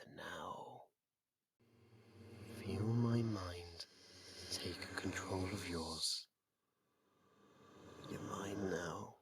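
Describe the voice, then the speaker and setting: A performer voicing a sadistic, centuries-old vampire in an ASMR roleplay, theatrical and mocking, slipping into slow whispers. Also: sits low, vocal fry, fairly bright tone, breathy edge, full character voice. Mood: menacing, hypnotic.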